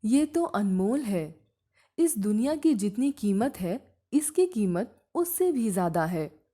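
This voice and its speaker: A woman's voice: mid-range voice, very animated, slow, warm tone. A woman voicing a reverent, emphatic male jeweller in a storybook tale. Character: reverent male jeweller who knows gems.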